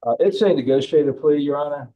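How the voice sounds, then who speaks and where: A man's voice: on the high side, a little fast, mellow, highs cut off. A man speaking as a defense attorney in court, making his points formally in a hesitant, deferential way.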